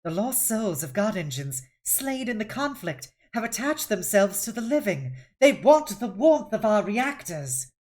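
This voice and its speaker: A woman's voice: medium pitch, big pitch swings, measured pace, few pauses, darkish tone, voice pushed up. A woman voicing a superstitious female soldier in a sci-fi novel, uneasy, eerie and emphatic.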